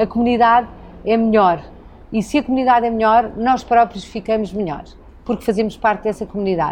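With a European Portuguese accent, a woman speaks at a fairly high pitch. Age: 50s. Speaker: food bank president. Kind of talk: interview.

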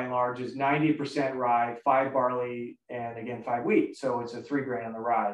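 A man speaks at medium pitch and a moderate pace. Audible room echo fills the recording. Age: 40s. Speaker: master distiller. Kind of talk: casual interview. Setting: video call. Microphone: laptop plugged into a dock.

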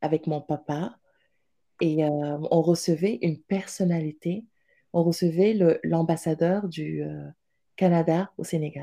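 A woman's fairly low, dark and mellow voice, very slow in pace, with fairly even intonation. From Senegal, Dakar suburb. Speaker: entrepreneur and mother. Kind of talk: podcast interview.

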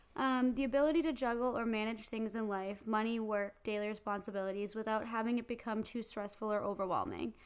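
Speech rushes by at a very fast pace with hardly any pauses. Pitch varies in an ordinary way. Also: woman, fairly high pitch for a woman. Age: 20s. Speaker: podcast host and nurse. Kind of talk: casual chat.

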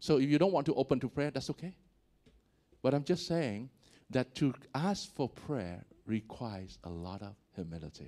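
A man's dark, mellow voice at medium pitch with a Vietnamese accent, very wide pitch swings, a moderate pace and long, frequent pauses. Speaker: pastor. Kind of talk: sermon. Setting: church.

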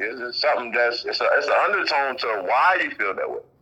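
Noticeable background noise sits behind a man talking at a fairly quick pace with an American accent. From Savannah, Georgia (US South). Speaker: rapper. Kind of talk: casual interview.

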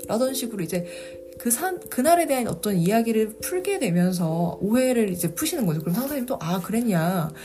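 Fairly quick speech with very wide pitch swings over noticeable background noise. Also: woman, medium pitch for a woman. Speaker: podcast host reading and discussing a book. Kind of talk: book review, reading aloud with commentary. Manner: talkative, chatty.

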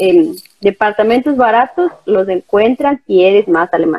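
With a dark, mellow tone and a fairly high pitch, a woman speaks at a fairly slow pace in a dry, close sound with no echo. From Ecuador. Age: 30s. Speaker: engineer. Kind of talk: interview, casual chat.

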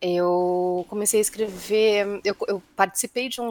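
With a Santa Catarina accent, a woman speaks at a medium pitch with ordinary pitch variation. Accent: Catarinense Brazilian Portuguese. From Santa Catarina, Brazil. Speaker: author. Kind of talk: casual interview chat.

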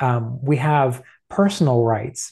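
A man with an American accent speaks at a medium pitch in a dark, mellow, somewhat breathy tone, with ordinary pitch variation and a quiet background. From US South, West Virginia. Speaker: astrology teacher and author. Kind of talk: interview.

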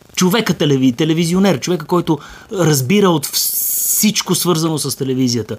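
This man has a normal speaking voice, a moderate pace and ordinary pitch variation. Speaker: former radio host. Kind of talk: casual chat.

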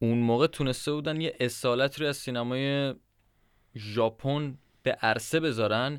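The speaker has a normal speaking voice, fairly even intonation and a moderate pace, in a very clean recording with a silent background. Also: man, medium pitch for a man. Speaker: film podcast host. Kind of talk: casual film review chat.

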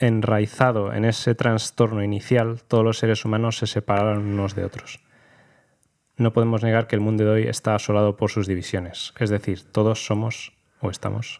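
Monotone, flat intonation at a moderate pace in a very clean recording with a silent background. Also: man, fairly low pitch for a man. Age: 30s. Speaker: podcast host. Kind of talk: casual chat.

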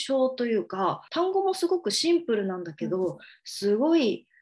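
With a dark, mellow tone, a woman's voice makes very wide pitch swings. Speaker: literature professor. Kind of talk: interview. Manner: casual, animated.

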